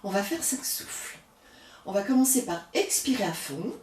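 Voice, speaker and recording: A woman yoga teacher giving slow, calm guided cues through a breathing and posture practice. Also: medium pitch, reverberant, distant mic, a little hiss or hum.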